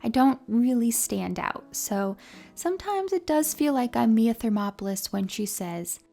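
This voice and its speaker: A woman in her twenties with a New York accent, calmly telling a personal story to camera for her vlog. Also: on the high side, measured pace, gravelly, faint music behind. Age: 20s. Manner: calm and mellow. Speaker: beauty vlogger.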